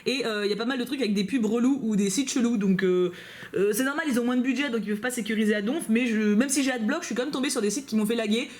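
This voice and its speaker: A woman's voice: fairly high pitch, quick pace, a little mellow. A woman YouTuber chatting casually to camera from her couch at home, bubbly and full of fillers and asides. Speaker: YouTuber reacting to fan mail. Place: at home on a couch, dog nearby.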